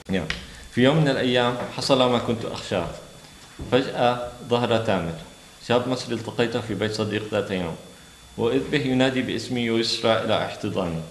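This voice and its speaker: A man who is a native Arabic speaker, an author reading from and commenting on his book at a literary event. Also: mid-range voice. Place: indoor literary venue. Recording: roomy echo, faint background noise.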